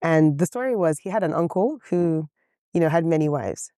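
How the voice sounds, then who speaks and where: A woman's voice: deep voice, lively intonation, normal speed, warm tone, dry recording, studio quality. A woman whose first language is Yoruba, an author talking articulately in an interview and often saying "you know". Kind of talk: conversational interview.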